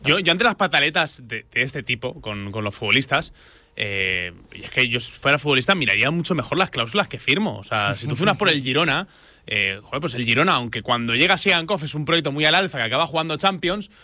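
A man's voice: mid-range voice, expressive, brisk, bright, forceful tone, no room sound. A man giving casual, opinionated football commentary as a pundit in a discussion. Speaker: sports pundit.

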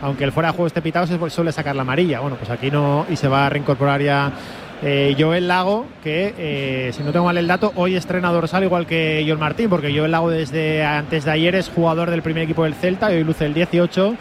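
Fast-talking Spanish male football co-commentator. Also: a little high, steady tone. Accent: Spanish from Spain. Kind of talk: live match analysis and information. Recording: clear stadium noise behind.

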